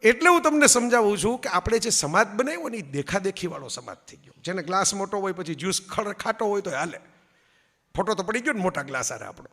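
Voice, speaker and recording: Guy giving a talk in a big echoey hall, high bright voice, keeps asking the crowd "right?". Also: lively intonation, fast talker. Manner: storytelling, acts out quoted voices, asks audience "barabar?". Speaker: public speaker. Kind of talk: Gujarati public speech with anecdotes. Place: event hall before an audience.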